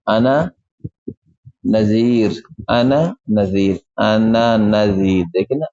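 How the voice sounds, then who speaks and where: Mellow-voiced man teaching recitation rules. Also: mid-range voice, highs cut off. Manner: explanatory, repeats terms slowly for emphasis. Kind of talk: classroom lecture on recitation rules.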